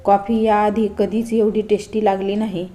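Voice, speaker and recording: A confident young man teases his bride-to-be in a spoken storybook, playful and full of self-assurance, read by a woman. His voice comes across mellow and warm rather than sharp. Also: mid-range voice, level tone, moderate pace, natural voice. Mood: teasing.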